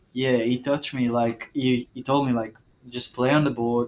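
A man speaks at a medium pitch with an Israeli accent. His intonation stays monotone and flat. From Israel, rural periphery. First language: Hebrew. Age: 20s. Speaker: podcast guest. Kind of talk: casual interview. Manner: halting.

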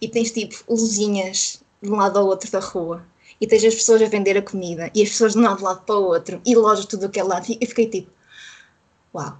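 A woman with a European Portuguese accent speaks at a fairly quick pace in a monotone, flat intonation, with long, frequent pauses. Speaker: podcast guest, K-pop fan who lived in Korea. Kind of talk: casual chat.

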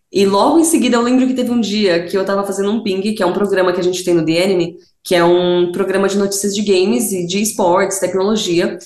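Audible room echo surrounds a woman who speaks at a fairly quick pace and a medium pitch. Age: 20s. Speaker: gaming show presenter. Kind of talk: casual interview.

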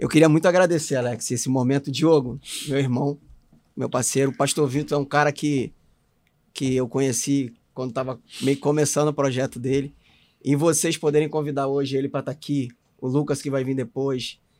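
Long, frequent pauses break up a man's fairly quick speech, delivered in a monotone with flat intonation. The recording is very clean, with a silent background. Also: fairly high pitch for a man. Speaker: career manager. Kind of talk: casual chat.

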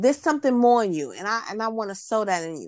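Here a woman talks at a fairly quick pace. Her intonation is lively. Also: very clean recording, silent background. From New York City, Queens. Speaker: business owner and church elder. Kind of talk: podcast interview.

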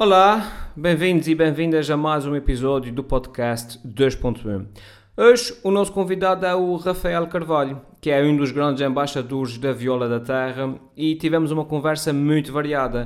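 A normal speaking voice from a man, fairly high-pitched, with lively intonation at a moderate pace. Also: very clean recording, silent background. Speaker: podcast co-host. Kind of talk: casual chat; scripted intro.

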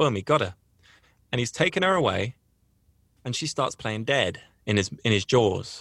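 A man with a British accent talks at a moderate pace, leaving long, frequent pauses. His pitch swings very widely, and the sound is dry and close with no echo. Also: medium pitch for a man. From UK. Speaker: actor and podcast guest. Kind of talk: casual chat. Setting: video call.

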